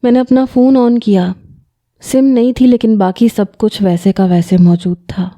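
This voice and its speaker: Warm-voiced woman narrating a story. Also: on the high side, fairly even intonation. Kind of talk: first-person scripted story narration.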